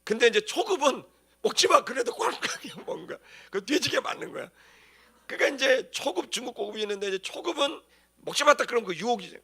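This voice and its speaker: A man's voice: extremely high pitch, very animated, a little fast, bright, forceful tone, slightly rough. A man preaching as a pastor, telling stories in a colloquial, dramatic way with acted-out emphasis. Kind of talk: animated sermon with storytelling.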